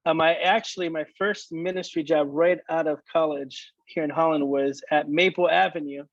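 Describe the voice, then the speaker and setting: Dry and dull in sound, the clip features a man with a fairly high, steady voice. He's a Michigan worship leader guest in his late thirties, casually sharing about his life while restarting often and using fillers.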